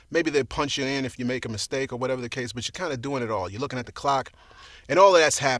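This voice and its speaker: A man with a New York accent at medium pitch, ordinary pitch variation, and a very clean recording with a silent background. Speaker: audio description narrator and advocate. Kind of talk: interview conversation. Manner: casual, conversational.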